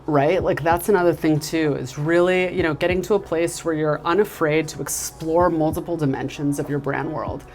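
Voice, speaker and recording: A woman's voice: low voice, steady tone, moderate pace, few pauses, a little mellow, slight background noise. A woman from the United States, a marketing executive, talking enthusiastically in an interview with many fillers like "you know" and "like.". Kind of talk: casual interview.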